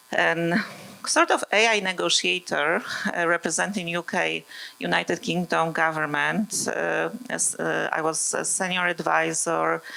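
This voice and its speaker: Over noticeable background noise, a woman with a Polish accent speaks at a fairly slow pace. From Poland. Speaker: former government AI advisor, diplomat. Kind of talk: panel discussion. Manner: many fillers.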